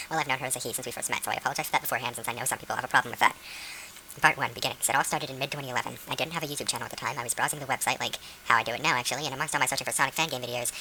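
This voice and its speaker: A woman reading a written document aloud in a rapid, flat read-through without pauses. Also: a bass voice, a little hiss or hum, rough recording.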